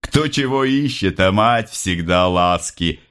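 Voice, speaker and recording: A man's voice: low voice, animated, slow, a bit bright, clear, resonant tone, full character voice. A man voicing a wry young lodger who speaks in a dry, mocking way.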